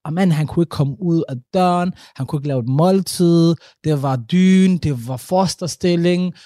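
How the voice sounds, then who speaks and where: A young man in casual podcast chat, telling stories in an animated, slangy way with a lot of swearing. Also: fairly high pitch, no room sound, clean studio sound. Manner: animated, slangy storytelling with frequent swearing and laughing.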